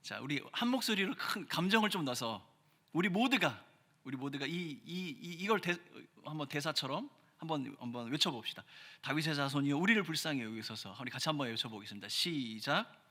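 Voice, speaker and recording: A man's voice: fairly high pitch, animated, a little fast. Earnest male pastor preaching in a hall. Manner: earnest preaching, rising emphasis then dropping softly. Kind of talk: sermon. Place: church sanctuary. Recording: church hall reverb.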